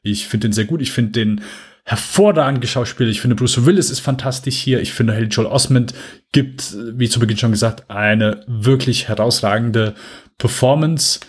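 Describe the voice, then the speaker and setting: A man's voice: mid-range voice, normal speed, slightly rough. A man co-hosting a podcast, chatting casually in a rambling, hesitant way with many fillers. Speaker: podcast co-host. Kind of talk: casual chat.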